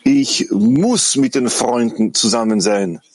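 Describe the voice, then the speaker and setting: A man giving a halting live spoken translation of a heartfelt testimonial, often correcting himself as he goes. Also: mid-range voice, darkish tone. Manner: halting, self-correcting delivery.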